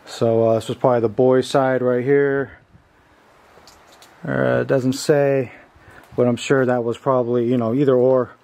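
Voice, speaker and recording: A man in his thirties narrating a casual exploration vlog as he walks, informal and halting, thinking aloud. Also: medium pitch, flat delivery, gravelly, mellow. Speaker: host exploring abandoned places. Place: outdoors and inside derelict buildings, walking. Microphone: handheld camera at arm's length. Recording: outdoor camera audio with background noise.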